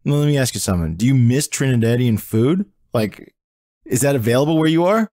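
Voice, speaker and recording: A male podcast host talks quickly in an upbeat, joking manner as he asks his guest questions. The sound is dry and close, with no room echo. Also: mid-range voice, expressive, mellow. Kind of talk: casual interview questions.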